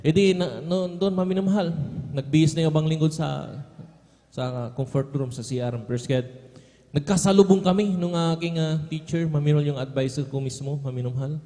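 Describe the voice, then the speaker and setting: A man's voice: fairly high pitch, brisk, dark tone. Earnest young Filipino man testifying in a hall. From Philippines. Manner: earnest, repeats "beloved" after every phrase. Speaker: church member giving testimony. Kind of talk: spoken testimony at a prayer service. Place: church hall. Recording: long reverb of a church hall.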